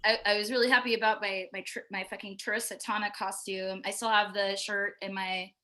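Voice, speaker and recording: A woman in a casual group chat on a video call, telling stories in a chatty, animated, slangy way and swearing freely. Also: mid-range voice, a little fast.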